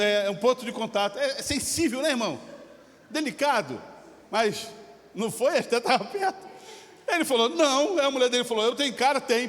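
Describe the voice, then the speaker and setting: A man with a Brazilian Portuguese accent, a pastor preaching a sermon. He swings from shouted exhortation to relaxed, chatty storytelling. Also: high voice. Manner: impassioned, shifting from shouting to storytelling. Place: church sanctuary. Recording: long hall reverb.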